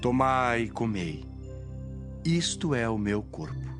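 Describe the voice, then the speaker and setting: Casting: a man to play a grave, authoritative holy teacher in Bible audio drama, mid-pitched, measured, declamatory, with background music. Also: very animated. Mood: grave, prophetic.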